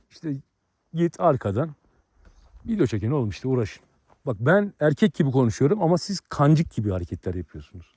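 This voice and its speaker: A man scolds and boasts in a heated rant to his viewers. His voice sits high for a man. It is recorded close and dry, with no room sound. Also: a little mellow, no echo. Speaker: vlogger.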